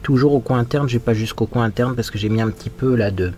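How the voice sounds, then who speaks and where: Quick-paced and dark in tone, a medium-pitched male voice comes over faint background music. He's a makeup vlogger giving casual get-ready-with-me commentary, frank and chatty, frequently thinking out loud.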